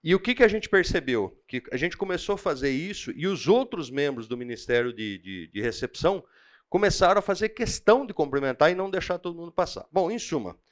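A man with a Brazilian Portuguese accent teaching a church Bible class, telling animated personal stories in a slangy, chatty way. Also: fairly high pitch, a little fast.

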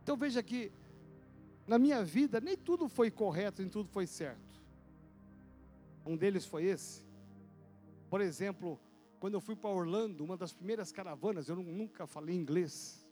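A male pastor, telling a personal story in a sermon with vivid, animated delivery and sound effects. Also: high-pitched, moderate pace, long pauses, faint music behind.

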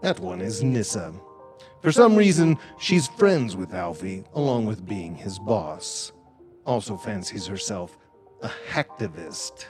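A wry storyteller for an audio drama, judging his characters with sardonic asides. His voice sits fairly low and he speaks slowly and deliberately. Faint music plays behind him. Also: very animated, a little mellow. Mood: wry, snide. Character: wry, snide male storyteller who judges the characters. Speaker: narrator. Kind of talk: scripted audio drama narration.

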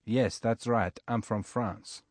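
An actor playing a polite Frenchman being interviewed in a scripted English lesson dialogue, speaking slowly and clearly. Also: on the low side, fairly even intonation, dry recording. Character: French male interview guest Pierre. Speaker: guest in scripted language dialogue.

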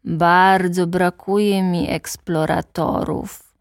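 A pompous old geographer drawls out his lecture from behind his desk, as a woman reading a storybook puts him on. He talks slowly and weighs every word in a dry, close sound. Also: fairly low pitch, steady tone, vocal fry, dry recording, heavily acted. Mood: lecturing. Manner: slow, lecturing, self-important.

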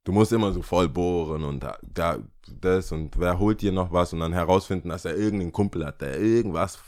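Deep-voiced young man telling a story. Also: brisk. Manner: lively storyteller, acts out quotes with jumps in pitch. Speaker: podcast co-host. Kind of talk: casual chat, storytelling.

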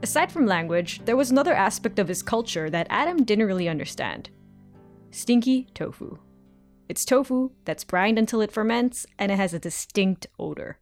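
A woman's voice: mid-range voice, moderate pace, soft background music. A woman from Canada, a reporter, chatting playfully on a podcast and reading narration. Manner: animated, playful storyteller. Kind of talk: casual chat and scripted narration.

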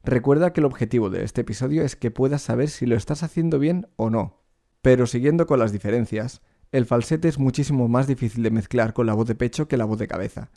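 A man with an ordinary middle-pitched voice leads a singing lesson. He explains each point clearly and speaks straight to the learner. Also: brisk, warm tone. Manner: clear explanatory teaching, addresses the learner directly. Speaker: vocal coach.

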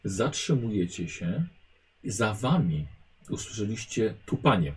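A man narrating a tabletop role-playing game as game master, telling the scene in a lively way. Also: fairly low pitch, a little slow, slightly rough. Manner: lively, animated storytelling.

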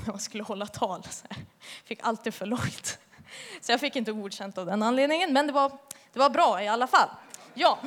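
Chatty young woman in reverberant church. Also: fairly high pitch. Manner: lively, chatty, laughs often. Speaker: youth leader giving a testimony. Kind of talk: church testimony. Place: church hall.

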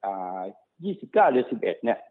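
A man working as a stock market analyst, explaining market cycles quickly and repeating himself, often checking that the listener follows. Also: mid-range voice, big pitch swings. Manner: fast, repetitive explaining, often checks understanding. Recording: narrow phone-like sound.

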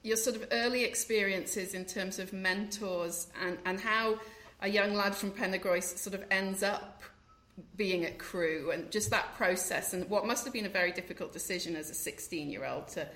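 A woman's voice: mid-range voice, moderate pace, a bit bright. Woman co-host in a roomy space. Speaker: podcast co-host. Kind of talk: interview questions.

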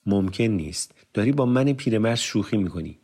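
A man's voice: on the low side, animated, a little mellow. A man voicing a hospitable, fatherly old tribal chief in an audiobook, speaking with emphatic, insistent exclamations. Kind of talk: audiobook character voice.

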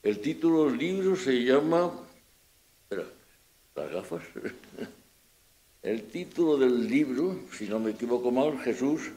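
A man with a Peninsular Spanish accent addresses an audience at a book presentation in a loose, unscripted way. He keeps stumbling and restarting, repeating small words as he searches for the phrasing, and gives his remarks a critical, ironic edge. His voice sits at an ordinary middle pitch for a man. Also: animated, a little slow, long pauses, mellow. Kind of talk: informal public talk.

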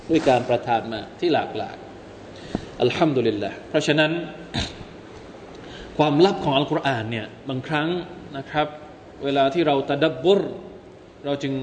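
A man giving a Quran commentary lecture, animated and emphatic, addressing listeners as brothers. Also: mid-range voice, in a large hall, a little hiss or hum. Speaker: Islamic teacher.

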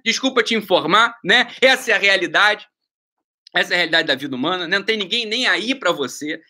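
A man's voice: sits high, sharp tone. A man with a Brazilian Portuguese accent, hosting a live stream and ranting bluntly at viewers, sarcastic and swearing often. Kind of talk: blunt motivational rant.

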